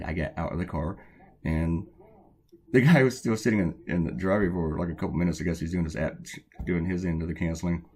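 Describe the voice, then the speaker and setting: Chatty low-voiced man, slightly hoarse. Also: a little mellow. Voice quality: hoarse, weak voice. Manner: rambling, chatty storytelling with many fillers. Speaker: cartoonist. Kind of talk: casual chat while drawing.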